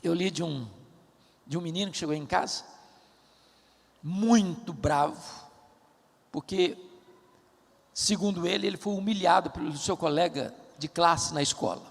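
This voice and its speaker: Brazilian pastor man preaching, emphatic storyteller, husky voice, long echo in a big church. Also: a little high. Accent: Brazilian Portuguese. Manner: emphatic storytelling, drawn-out stressed words. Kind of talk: sermon. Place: large church auditorium. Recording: reverberant church hall.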